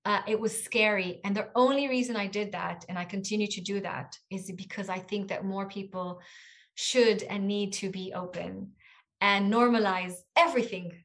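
A woman whose first language is Hebrew, speaking English as a podcast guest. She talks earnestly and thoughtfully, often restarting her sentences, at an ordinary middling pitch. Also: steady tone, moderate pace, a bit bright. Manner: earnest, reflective, with many restarts and fillers. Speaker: guest author. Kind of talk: podcast interview conversation.

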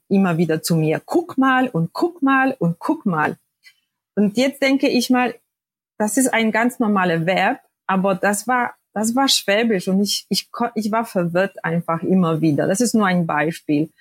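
A woman's voice: medium pitch, breathy edge, no echo. A woman in her forties from Poland, whose native language is Polish, speaking with a Polish accent as a podcast guest and telling her story with frequent hesitations. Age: 40s. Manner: hesitant, many fillers. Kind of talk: personal interview.

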